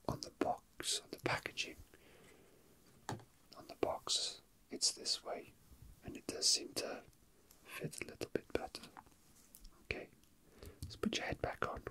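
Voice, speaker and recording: Whispering softly into a close mic, the ASMR host chats without hurry and seems to be talking to themselves. Their hands are busy with small objects.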